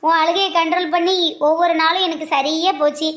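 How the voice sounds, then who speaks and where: A high-pitched, cheeky teenage girl in a cartoon, full of teasing banter, as a woman voices her. She jokes quickly at her friends' expense. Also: fairly even intonation, a bit bright. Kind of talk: cartoon voice acting.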